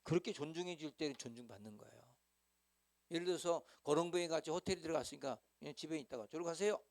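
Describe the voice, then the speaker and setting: Gravelly middle-aged pastor, teaching. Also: male voice, fairly high pitch, fast, a little mellow, dry recording. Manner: talkative, acts out quoted dialogue, asks the audience for responses. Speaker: senior pastor. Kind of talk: teaching session for small-group leaders. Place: church education hall.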